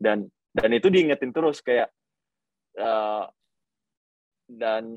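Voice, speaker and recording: Dry male speech without echo, set against a quiet background. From West Sumatra, Indonesia; Indonesia. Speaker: professional basketball player; guest. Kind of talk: interview. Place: home room. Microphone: video call.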